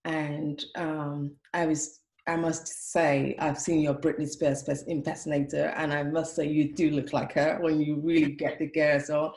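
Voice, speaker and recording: A woman from Africa hosting an interview show, speaking earnestly and slowing down to stress her points. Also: sits low, level tone, darkish tone, echoey room. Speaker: host. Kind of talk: conversational interview.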